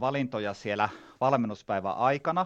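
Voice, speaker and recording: Against a quiet background, a man with a Northern Ostrobothnian accent speaks at medium pitch and a moderate pace, the sound dry and close with no echo. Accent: Haapajärvi dialect. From Finland, Haapajärvi (Northern Ostrobothnia). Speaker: coach and author. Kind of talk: podcast interview. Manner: animated, enthusiastic.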